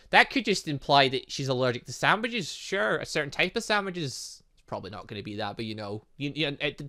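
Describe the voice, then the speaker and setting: Male gaming host, lively swooping intonation, let's play commentary, stumbles and self-corrects. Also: a little high. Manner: stumbles over lines and corrects himself. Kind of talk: let's play commentary, reading game dialogue aloud.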